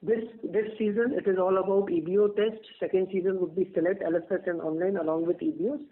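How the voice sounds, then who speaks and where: A man's voice: high voice, fairly even intonation, fast. A man with an Indian accent, a company executive explaining things on an earnings call, repeating words as he thinks. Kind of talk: answering questions on an earnings call. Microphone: telephone line. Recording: narrow, tinny phone line.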